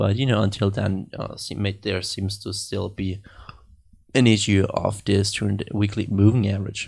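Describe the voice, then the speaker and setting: A somewhat breathy man's voice, fairly low in pitch. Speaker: stock market commentator. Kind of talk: market analysis video. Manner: hesitant, many fillers.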